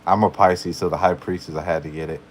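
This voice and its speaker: Deep-voiced playful man on a live stream. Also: fairly even intonation, fast talker, slight background noise, low-quality recording. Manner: playful, chuckling, answers viewer questions. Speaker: tarot reader, live stream host. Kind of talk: casual live stream chat.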